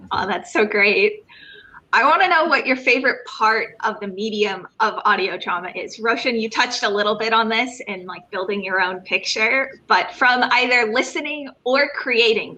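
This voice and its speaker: A woman's voice: mid-range voice, sharp tone, low-quality recording. A woman moderating a casual panel discussion, putting questions to the group.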